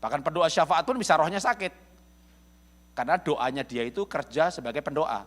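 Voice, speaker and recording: A middle-aged male pastor from Indonesia giving a lively, humorous church sermon, often chuckling as he speaks to the congregation. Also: on the high side, fairly quick. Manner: jokey, addresses congregation as "saudara", chuckles often. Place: church service.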